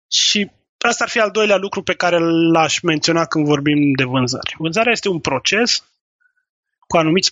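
The man's voice is high. Its rises and falls are ordinary. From Romania, Bihor county. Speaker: sales executive. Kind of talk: podcast interview.

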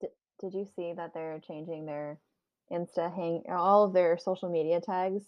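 At a moderate pace, a woman with a fairly low pitch speaks with fairly even intonation and big swings in loudness. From US South, Texas (Plano/Dallas). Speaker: podcast co-host, teacher. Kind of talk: casual chat.

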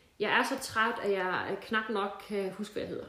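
Against noticeable background noise and audible room echo, a woman speaks at a fairly high pitch. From Central Jutland, Denmark (Silkeborg). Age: 20s. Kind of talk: casual chat.

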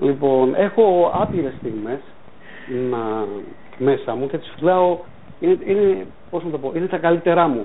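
A man speaks at a fairly slow pace with lively intonation. Noticeable background noise runs underneath. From Athens, Greece, with Chania family roots. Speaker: author and musician. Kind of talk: interview, personal reminiscence. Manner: hesitant, many fillers.

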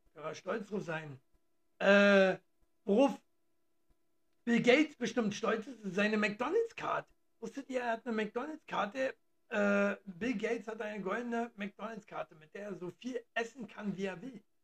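This man has a high pitch with ordinary variation and a fairly slow pace, marked by long, frequent pauses. His loudness swings a lot, and the sound is dry and close with no echo. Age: 20s. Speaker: livestream host. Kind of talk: casual chat. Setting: live stream, solo at home.

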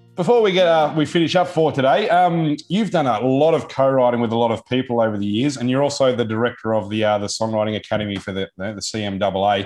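A man's medium-pitched voice with an Australian accent, very fast and lively in intonation with hardly any pauses, over noticeable background noise. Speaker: podcast host. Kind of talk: interview. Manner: enthusiastic.

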